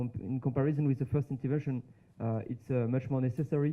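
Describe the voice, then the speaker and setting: With a French accent, a man speaks at a fairly high pitch using fairly even intonation. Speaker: PhD student researcher. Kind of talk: conference presentation. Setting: conference with audience. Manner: halting, many hesitations.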